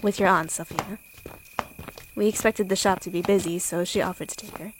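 A man voicing a gentle, devoted wife who speaks softly and earnestly. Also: sits high, fairly even intonation, moderate pace, a little hiss or hum, pitched above the performer's own voice, close to an everyday voice, low-quality recording. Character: gentle devoted wife, young adult woman.

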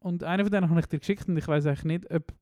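A young man with a Swiss German accent, co-hosting a podcast in rapid, chatty casual talk and laughing easily. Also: a little high, fairly even intonation, mellow, no echo, muffled recording. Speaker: podcast co-host. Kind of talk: casual chat.

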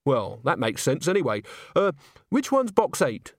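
A man's voice: fairly high pitch, huge pitch swings, unhurried, dry recording, studio quality, pitched above the performer's own voice, full character voice. A man voicing a practical, level-headed young woman in a storybook, matter-of-fact and a little awkward, tending to mumble. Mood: curious.

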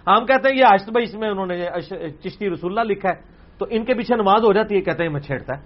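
A man's voice: sits high, lively intonation, dull audio. A man answering audience questions as a religious scholar, arguing hard with rhetorical questions and quoted opponents. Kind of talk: impassioned religious Q&A talk.

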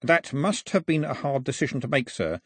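Man playing a mild, deferential gentleman aide, husky. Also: a little high, very animated, moderate pace, no echo, studio quality, voice pushed up, heavily acted. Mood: sympathetic, respectful.

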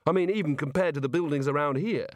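A man's voice: on the high side, fast talker, no echo, pitched above the performer's own voice, lightly acted. A man voicing a hapless, nervous wizard in an audiobook, hesitant and defensive in manner. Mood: apologetic. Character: hapless, nervous male wizard, evasive and apologetic.

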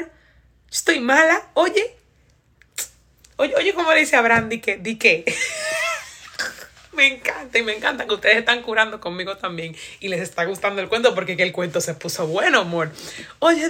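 A woman's voice: medium pitch, a little hiss or hum. A young woman with a Dominican accent, chatty and laughing, reading the Bible live over a phone stream. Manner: animated, laughing, chatty and expressive. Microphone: phone livestream.

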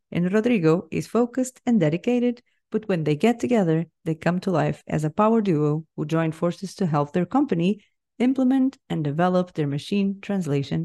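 A woman reading a scripted podcast introduction as host, in a measured, enthusiastic way. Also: on the low side, creaky, mellow.

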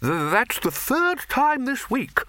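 A bellowing old wizard chief with a brusque, clipped way of talking, as a man puts him on. The voice sits high and carries a bright, hard edge. It sounds dry and close. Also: big pitch swings, slow pace, no room sound, heavily acted. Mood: blustering.

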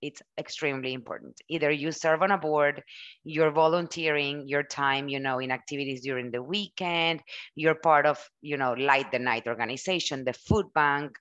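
A woman with a low voice and a Mexican Spanish accent, speaking English as her second language. She answers interview questions in an earnest, explanatory way and runs through examples one after another. The recording is dry and close. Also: moderate pace, a bit bright, no room sound, dull audio. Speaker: guest HR professional and recruiter.

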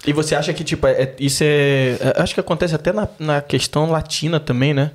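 Slangy Brazilian man with higher voice. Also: fast. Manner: relaxed, slangy, frequent "né". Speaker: podcast host. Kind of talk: casual chat.

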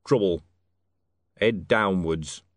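A man voicing a gruff, shrewd older self-made businessman with blunt working-class speech, in an audiobook story. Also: low voice, slow pace, no room sound, clean studio sound. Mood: menacing.

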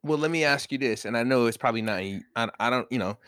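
A man on a casual podcast who circles his point with repeated false starts before committing to it. His pitch sits at an average level. The recording is dry and close. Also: fast talker, fairly bright tone, no echo. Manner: restarts often, hesitant build-up before his point. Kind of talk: casual discussion.

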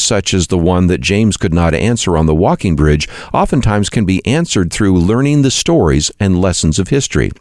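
Deep-voiced man narrating, lively intonation. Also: dry recording, clean studio sound. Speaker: radio program host. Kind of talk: scripted radio teaching narration.

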